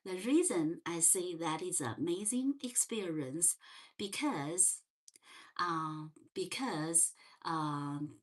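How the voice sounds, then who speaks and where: A woman from China with a Chinese accent, hosting a relaxed livestream chat with viewers and often pausing on fillers. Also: on the low side. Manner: slow and gentle, many fillers and restarts. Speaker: livestream host. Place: parents' home.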